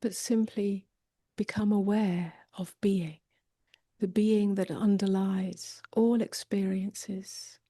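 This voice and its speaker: A woman meditation teacher leading a guided meditation softly and gently, often drifting toward a whisper, with long pauses. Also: mid-range voice, steady tone, no echo, studio quality. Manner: soft, breathy delivery drifting toward a whisper.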